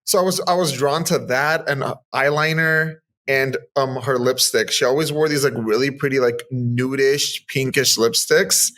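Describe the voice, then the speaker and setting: A man's voice: mid-range voice, fairly even intonation, moderate pace, few pauses, a bit bright. A man in his thirties from Southern California, chatting upbeat as a podcast guest, full of casual fillers. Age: 30s. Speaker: guest, makeup artist. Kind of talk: casual interview chat.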